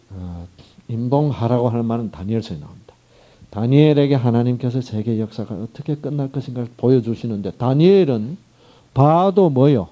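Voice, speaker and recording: Male pastor preaching, call-and-response style, swings between loud and whispered. Dark, deep-toned voice. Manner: call-and-response questions to the congregation. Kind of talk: sermon. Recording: muffled lo-fi recording.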